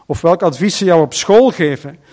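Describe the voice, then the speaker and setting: Pastor guy, high voice, preaching, pushes hard then goes quiet, lots of questions to the crowd. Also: moderate pace. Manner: emphatic, rhetorical questions, swings between loud and hushed. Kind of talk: sermon.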